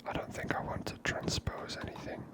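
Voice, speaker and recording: Male ASMR gaming host: whispered, close-miked, unhurried murmured commentary. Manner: unhurried, murmured thinking aloud.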